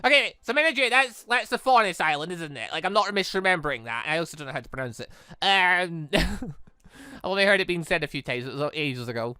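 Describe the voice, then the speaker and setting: Lively, bright-voiced man doing game commentary. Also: fairly high pitch, fairly quick, smooth, no echo, studio quality. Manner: rambling, excitable asides. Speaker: gaming channel host. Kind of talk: let's play commentary with character voice reading. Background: game music.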